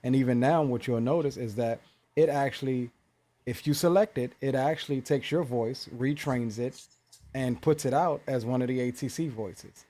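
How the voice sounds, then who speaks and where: Male podcast guest, warm mellow tone, measured explainer. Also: medium pitch. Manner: measured, explanatory, frequent ums. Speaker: guest flight sim creator. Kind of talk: casual podcast chat.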